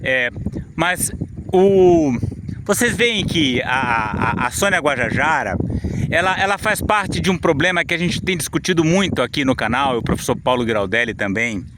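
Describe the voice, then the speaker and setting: A man's voice: mid-range voice, expressive, moderate pace. A man with a Brazilian Portuguese accent, hosting a political commentary channel, talking outdoors with many restarts and repeated words. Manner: many repetitions and restarts, indignant. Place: outdoors, windy. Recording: windy outdoor noise.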